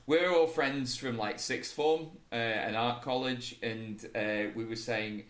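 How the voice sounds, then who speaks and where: A man's voice: medium pitch, slow, fairly bright tone, roomy sound. A man co-hosting a gaming podcast in casual chat, laughing often and restarting his sentences. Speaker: podcast co-host.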